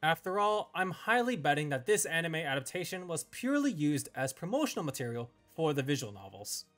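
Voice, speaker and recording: A young man hosts a scripted review in a voice that sits a little high for a male. His intonation moves up and down a great deal from phrase to phrase. Light music plays behind the narration. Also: very animated, fairly quick, a bit bright. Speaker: video reviewer and host.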